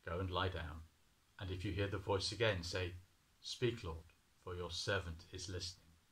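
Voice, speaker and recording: A man voicing an old, blind, weary priest who speaks low, soft and quietly. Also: fairly even intonation, normal speed. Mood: grave. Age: older.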